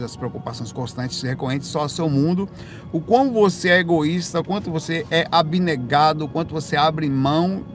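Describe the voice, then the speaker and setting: A man with a slightly higher voice chats loosely on a live stream, often correcting himself mid-sentence. He rambles and then breaks into animated bursts. Music plays clearly behind him. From Brazil, raised in Bahia. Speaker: livestream host answering viewer questions. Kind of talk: casual live chat reading comments.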